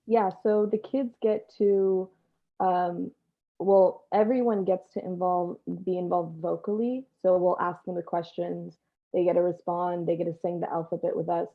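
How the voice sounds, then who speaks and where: A woman's voice: on the low side, steady tone, normal speed. A woman chatting casually as an interview guest, heard through tinny, narrow call audio. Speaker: stage actor, panel guest.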